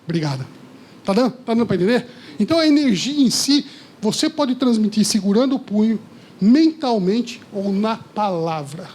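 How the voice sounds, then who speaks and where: A man giving a lively seminar talk to a live audience, often asking the listeners questions. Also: high voice, normal speed, a little hiss or hum. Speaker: speaker at a seminar. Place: lecture hall with audience.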